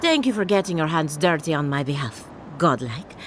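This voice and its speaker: An actress playing a chatty, morbidly cheerful necromancer farmer in a fantasy game, wry and theatrical. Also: female voice, low voice, sing-song, moderate pace, slight background noise. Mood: coaxing, intrigued. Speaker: game character. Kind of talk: scripted video game dialogue.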